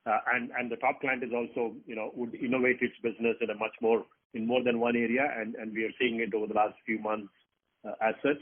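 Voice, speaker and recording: Man, executive, rough husky voice, medium pitch, wordy answers, narrow telephone sound. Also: little pitch movement, quick pace. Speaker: company executive answering analysts. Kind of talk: earnings call answer, unscripted. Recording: tinny phone conference line.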